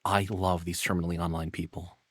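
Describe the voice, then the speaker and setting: A man's voice: low voice, flat delivery, a little fast, no room sound. A man giving casual reaction commentary in a rambling, informal, sweary way. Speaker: reaction streamer.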